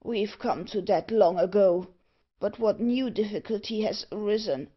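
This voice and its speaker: A woman voicing a fearful, complaining iron merchant, a man who laments in drawn-out exclamations. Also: medium pitch, breathy edge. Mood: despairing. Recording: dull, lo-fi audio.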